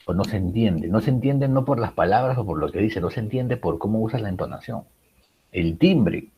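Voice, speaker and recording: A man's voice: fairly low pitch, expressive, normal speed, breathy edge, dull audio. A man teaching a writing class, explaining public speaking with many rhetorical questions and fillers. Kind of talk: recorded class lecture.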